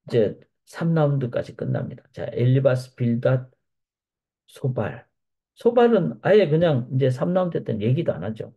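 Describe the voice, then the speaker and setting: A man's voice: mid-range voice, gravelly, warm tone, husky, highs cut off. A male pastor giving a Bible study lecture, reading scripture passages aloud and then explaining them. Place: church.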